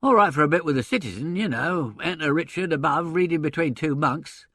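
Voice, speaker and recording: Blunt, gabby older theatre agent, lively up-and-down delivery, pitched above the reader's own voice, colloquial and opinionated, as a man puts him on in an audiobook. Dry, close recording with no room sound. A male narrator voices him. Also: fairly quick, no echo, full character voice. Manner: colloquial, drops grammar, chuckles, opinionated. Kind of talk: audiobook character reading.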